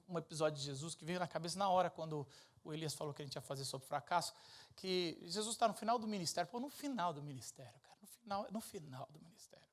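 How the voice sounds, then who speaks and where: Brazilian man preaching informally through comic stories. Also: high voice. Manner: self-deprecating, animated, conversational. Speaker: speaker at a church event. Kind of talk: informal sermon with comic personal storytelling.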